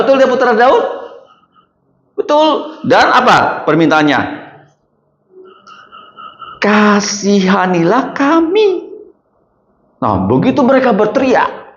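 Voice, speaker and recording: Man, Sunday school teacher, lively pitch, roomy lo-fi recording, quizzes kids. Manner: asks the class many questions, animated storytelling. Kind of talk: Bible lesson for children. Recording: roomy, dull lo-fi sound.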